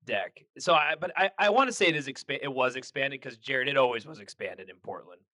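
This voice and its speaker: Bright voiced guy on a podcast, jokey, lots of uhs, dry mic. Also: medium pitch, lively intonation, fairly quick, dry recording. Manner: joking, laughs often, many fillers and restarts. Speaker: podcast co-host. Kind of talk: casual chat.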